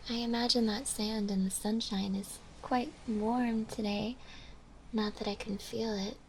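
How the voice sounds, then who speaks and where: Gentle undead zombie girl for ASMR roleplay, woman performer: whispery, bashful, hesitant, higher-pitched, with creaky vocal fry. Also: fairly even intonation, slight background noise, low-quality recording. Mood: tentative, gentle. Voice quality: soft, breathy, often whispering. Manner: hesitant, bashful, halting with small giggles.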